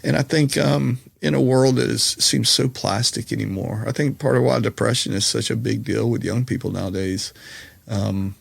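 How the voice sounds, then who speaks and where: A middle-aged man, a musician and comedian, talking candidly on a podcast in a slightly raspy voice, mixing jokes with reflection. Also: medium pitch, moderate pace, no echo. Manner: candid, reflective, jokey storyteller. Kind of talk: casual conversational interview.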